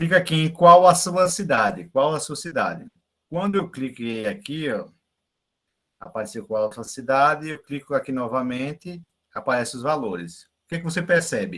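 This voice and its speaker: Using a normal speaking voice, a man talks at a moderate pace with a fairly high pitch and lively intonation. His loudness swings widely. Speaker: statistics professor. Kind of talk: online lecture tutorial.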